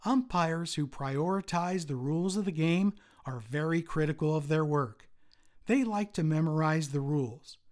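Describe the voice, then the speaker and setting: A man, a retired umpire, giving a formal prepared presentation at a convention in a measured, read-aloud way. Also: fairly high pitch.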